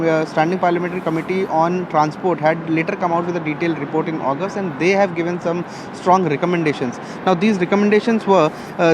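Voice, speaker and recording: A male field reporter with an Indian accent speaks quickly in a fairly high voice. He sounds urgent, tripping over words and correcting himself as he goes, with distinct outdoor traffic noise behind him. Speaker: news reporter. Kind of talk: live report, partly reading from a document.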